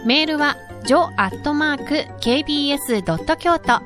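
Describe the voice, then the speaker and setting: 高めの声で丁寧に話す女性アナウンサー. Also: female voice, high voice, lively intonation, fairly quick, a bit bright, faint music behind. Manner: polite, reads notices clearly. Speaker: radio announcer. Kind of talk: radio chat and announcements. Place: radio studio.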